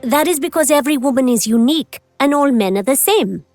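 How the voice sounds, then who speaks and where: A woman's voice: high-pitched, animated, a little fast, darkish tone, dry recording, soft background music. A woman acting a worldly, wry onlooker in a video game, formal and dry in manner. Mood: wryly amused.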